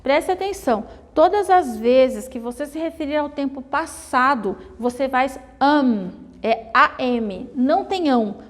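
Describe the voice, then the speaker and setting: A woman's voice: high voice, expressive, big-room sound. A Brazilian woman teaching a grammar lesson, explaining step by step and often checking in with her students. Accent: Brazilian Portuguese. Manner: explains slowly, repeating and checking with "né?" and "tá?". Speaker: Portuguese teacher.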